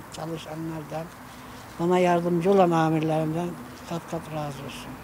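A man's high, monotone voice at a moderate pace, with flat intonation and noticeable background noise. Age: 70s. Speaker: retired railway worker. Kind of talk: interview answer. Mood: grateful, emotional recollection.

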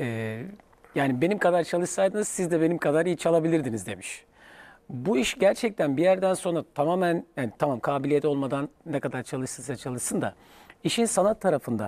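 Delivery comes at a fairly quick pace. The sound is dry, with no echo. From Turkey. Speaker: TV talk show host. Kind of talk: interview. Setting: studio. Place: studio. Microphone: lapel.

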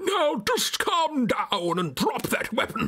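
In a put-on character voice, the speaker talks at a fairly slow pace and a high pitch. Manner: commanding, authoritative.

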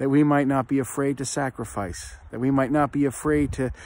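The recording is dry, without any echo. A man speaks at a moderate pace. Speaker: devotional leader / pastor. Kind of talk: devotional prayer and Bible reflection; fervent, earnest spoken prayer. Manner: earnest, heartfelt, pleading prayer delivery; measured, reverent, pastoral. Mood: solemn, prayerful. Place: open country. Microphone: phone near.

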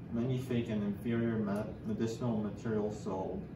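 With noticeable background noise behind him, a man speaks in fairly even intonation. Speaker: student presenter. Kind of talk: class presentation. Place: classroom. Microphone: camera far.

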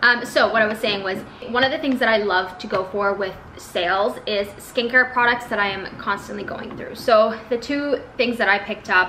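A woman talks at a moderate pace, her pitch varying in an ordinary way, with light background noise behind her. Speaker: beauty vlogger. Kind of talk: casual vlog chat. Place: home room. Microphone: camera far.

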